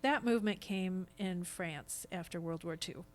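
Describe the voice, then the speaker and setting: A woman's voice: fairly low pitch, measured pace. American woman in her fifties, podcast guest. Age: 50s. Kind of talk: casual podcast conversation, explaining.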